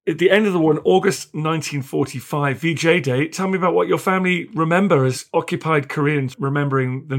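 A man hosting an interview podcast, asking questions in a jokey, conversational way. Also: fairly high pitch. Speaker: podcast host.

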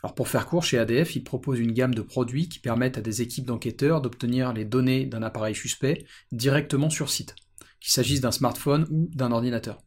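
Male podcast host, French accent, mid-pitched voice, presenting and interviewing. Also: fairly quick, darkish tone.

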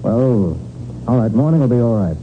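A thin, lightly noisy 1940s radio recording carries a man acting a confident private detective. He reasons aloud briskly and with authority, his pitch moving freely as he lays out each point. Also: expressive, narrow, tinny audio, close to an everyday voice. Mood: reasoning, insistent. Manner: crisp, authoritative, explanatory.

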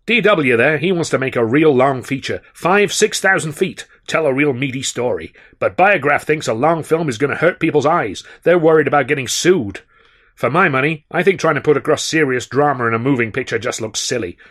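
A man's voice: medium pitch, animated, a bit bright, voice pushed up. A man voicing a brash, boastful big male film producer who talks in a slangy, blustering way. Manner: blustering, fast-talking, slangy.

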